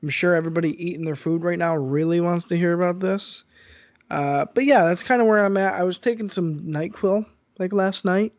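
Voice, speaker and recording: A podcast co-host chats casually and animatedly in a fairly high voice, speaking fairly quickly while congested with a sore throat. He's on his own microphone over an internet call, and the recording is dry and muffled.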